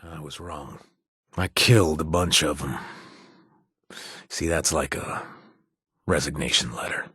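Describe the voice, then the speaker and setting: An actor playing a wry, joking former raider who is protective of his friend, with a husky voice. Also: a bass voice, unhurried, long pauses, bright, forceful tone, no echo, studio quality, heavily acted. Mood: regretful. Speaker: game companion. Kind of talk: video game voice lines.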